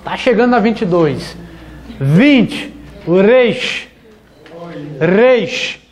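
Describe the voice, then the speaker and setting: A man's voice: high voice, animated. A man teaching a classroom lesson, who repeats each word and ends his phrases with "né?" and "tá?". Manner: slow and deliberate, repeating words and ending with "né?" and "tá?". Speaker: Hebrew teacher. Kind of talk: classroom lecture.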